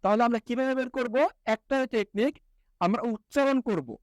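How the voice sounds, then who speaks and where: A man's voice: very high voice, fairly quick, dry recording, studio quality. A young man teaching an online lesson, asking questions and answering them himself step by step.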